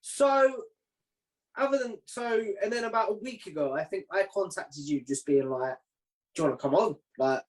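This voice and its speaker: A man's voice: high-pitched, lively intonation, moderate pace, poor audio. A man hosting an interview in a casual, chatty style. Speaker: host interviewing a podcaster.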